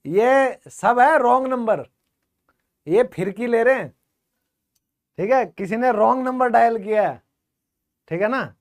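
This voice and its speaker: A male teacher giving an online grammar class, chatty and constantly checking with his students through quick questions. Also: very high voice.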